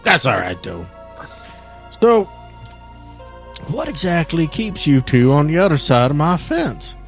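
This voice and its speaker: A man voicing a gentle old blind country priest with courteous, folksy rural talk. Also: fairly high pitch, big pitch swings, unhurried, soft background music. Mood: amused, curious.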